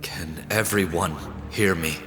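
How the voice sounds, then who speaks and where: An actor playing a nervous, earnest research assistant turned defiant whistleblower, speaking hesitantly as a trial witness. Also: male voice, low voice, steady tone, takes it slowly, a bit bright. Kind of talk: audio drama testimony. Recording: echoing hall with music behind.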